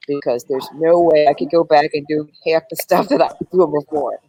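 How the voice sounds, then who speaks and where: A woman's voice: low voice, fairly even intonation, a little fast, mellow, husky, no room sound, poor audio. A middle-aged woman hosting a church panel conversation, chatty and laughing easily. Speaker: panel host.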